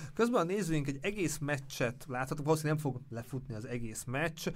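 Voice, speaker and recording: This man's pitch is fairly high, with ordinary pitch variation. He is somewhat breathy and speaks at a moderate pace. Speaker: radio host. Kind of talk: interview. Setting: studio.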